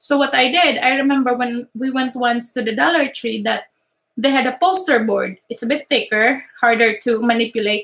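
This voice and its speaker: Speaking with a non-native accent, a woman uses a high pitch. Her pace is moderate and her pitch variation ordinary. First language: not English. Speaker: paper flower crafter and small business owner. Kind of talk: live stream Q&A tutorial. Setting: live stream. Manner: halting with frequent fillers and repetitions.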